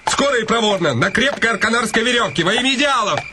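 A man's voice: extremely high pitch, expressive, fast talker, background noise. A man acting a weary, ironic, brooding nobleman in a radio play, musing to himself and turning imperious with others. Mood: mocking, threatening. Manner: musing, self-questioning, mockingly grand when addressing others. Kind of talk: radio play acting, inner monologue and dialogue.

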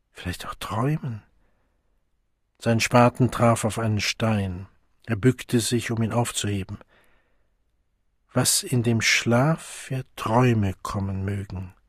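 A man narrating an audiobook in a measured, dramatic way, recorded close on a studio mic. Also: medium pitch, slightly rough, dry recording.

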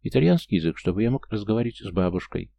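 A man's voice: fairly low pitch, expressive, very fast, gravelly. A man voicing a polite, mild-mannered Englishman who belongs to an old knightly order, in an audiobook. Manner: polite and gentle.

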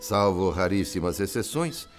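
An actor playing a kindly, philosophical male narrator in a radio drama, with a Brazilian accent and a measured, declamatory delivery. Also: sits low, lively intonation, faint music behind. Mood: earnest, instructive.

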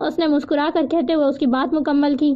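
A woman reads a novel aloud in a steady storytelling manner. Her voice is high, and the recording has a dull, lo-fi sound. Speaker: audiobook narrator. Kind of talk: scripted novel narration.

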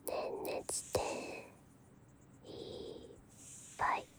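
A woman playing a gentle, doting mommy in a whispered role-play, talking to a baby in a breathy, soothing, coaxing way. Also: very slow. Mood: tender, soothing. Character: gentle doting mommy babying and lulling a grown listener.

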